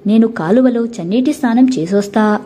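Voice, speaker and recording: A woman's voice: on the high side, moderate pace, dark tone, lightly acted. A woman voicing a polite, cheerful young man back home from abroad.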